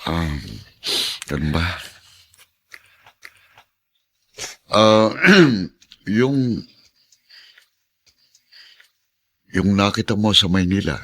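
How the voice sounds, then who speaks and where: A man's voice: low voice, a bit bright. A man playing a shy, apologetic, tender-hearted gay elder brother in a radio drama, speaking hesitantly with stammers. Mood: hesitant, vulnerable. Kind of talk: Tagalog radio drama acting.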